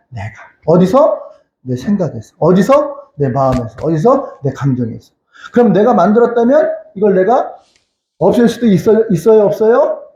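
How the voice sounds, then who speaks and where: High, lively preaching man, echoey hall. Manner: preaches in questions and answers, repeating phrases; cries out hallelujah again and again. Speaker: pastor. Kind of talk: sermon. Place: church sanctuary. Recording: echoey, dull church hall recording.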